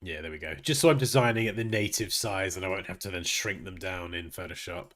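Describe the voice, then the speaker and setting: In his low-pitched, fairly bright voice, a graphic design livestream host talks fairly quickly and casually, thinking aloud as he works. A blocked nose gives him a nasal, sniffly sound.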